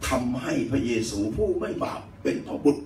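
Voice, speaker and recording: A male pastor giving a sermon, explaining scripture point by point with animated, emphatic delivery. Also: brisk, a little hiss or hum. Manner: animated, rising to loud emphatic bursts. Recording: roomy echo, distant mic, faint ambience.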